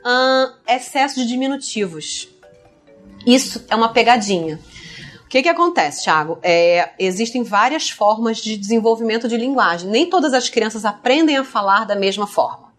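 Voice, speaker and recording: A woman's voice: fairly high pitch, expressive, moderate pace, a bit bright, faint music behind. A woman, a speech therapist explaining child language development in a casual interview, using vivid analogies.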